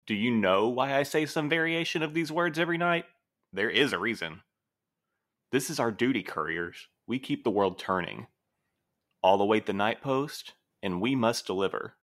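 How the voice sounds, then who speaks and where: An actor playing a stern, dutiful postmaster in an audio drama, with a dramatic, formal, commanding manner. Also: male voice, medium pitch, expressive, normal speed, a bit bright, close to an everyday voice. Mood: earnest, grave. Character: stern, dutiful, theatrical male postmaster of couriers.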